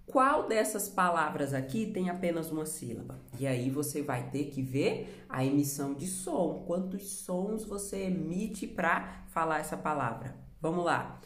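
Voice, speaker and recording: A woman's voice: sits low, animated. Brazilian woman teacher, patient, in an echoey room. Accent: Brazilian Portuguese. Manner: patient, explains slowly, asks the class questions. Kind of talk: remote lesson for children.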